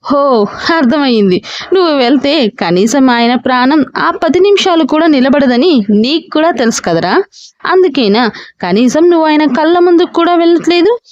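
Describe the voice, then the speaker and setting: A woman's voice: high-pitched, animated, normal speed, no echo, muffled recording. Woman doing an angry scolding mother. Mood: bitter. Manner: raised, scolding, emotional. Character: angry middle-aged mother scolding her son.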